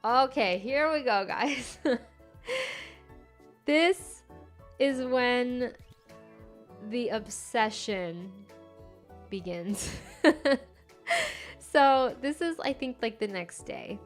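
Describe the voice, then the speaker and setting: A woman's voice: a little high, lively intonation, very slow, pauses often, soft background music. A young woman whose first language is Farsi, chatting casually and giggling often as she hosts a stream. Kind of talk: casual live-stream chat.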